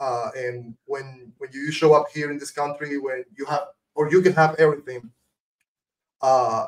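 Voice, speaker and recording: A man with a Venezuelan accent speaks at a moderate pace in a fairly high voice with fairly even intonation. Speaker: junk removal business owner. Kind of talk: podcast interview. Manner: halting.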